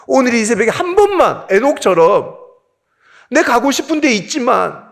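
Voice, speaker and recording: A man's voice: very high-pitched, very animated, normal speed, vocal fry. A middle-aged man from South Korea, a pastor preaching a sermon and telling a personal story with strong emotion.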